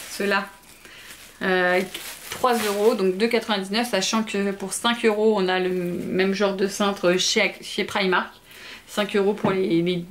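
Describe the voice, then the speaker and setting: A young woman chats casually at home, hesitant and full of fillers. Her pitch sits in a middle range. Faint background noise runs under the voice. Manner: chatty, hesitant, many fillers. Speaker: vlogger. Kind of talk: casual haul video chat.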